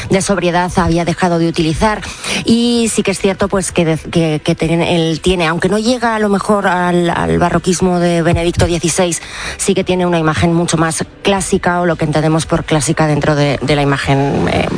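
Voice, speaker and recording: A woman commenting on live news, often searching for words and restarting her sentences. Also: lowish voice. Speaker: studio commentator on image.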